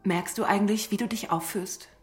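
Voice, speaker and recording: A woman's voice: medium pitch, fairly even intonation, a little fast, over music, natural voice. A woman playing a worried, defensive young wife. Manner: defensive and pleading, rising when upset. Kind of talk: dubbed series dialogue.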